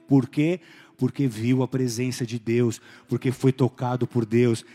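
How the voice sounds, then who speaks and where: A man's voice: mid-range voice, a little slow, soft background music. A man, preaching a sermon as a pastor and telling stories animatedly, acting out the voices in them. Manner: animated storytelling, acting out voices, shouting at peaks.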